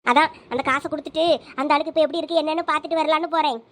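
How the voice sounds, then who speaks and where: A performer voicing a determined young village woman in a very high, quick cartoon voice with a Thoothukudi Tamil accent. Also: fairly even intonation, a bit bright. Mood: earnest.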